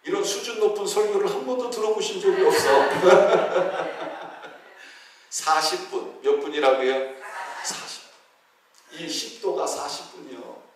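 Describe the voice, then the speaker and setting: High-pitched preaching man in an echoey hall. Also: unhurried, a crowd in the background. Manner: animated preaching, asks the congregation questions and answers them; acts out the voices of biblical figures in dialogue. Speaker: pastor. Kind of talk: sermon. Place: church sanctuary. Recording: very echoey hall, heard from a distance.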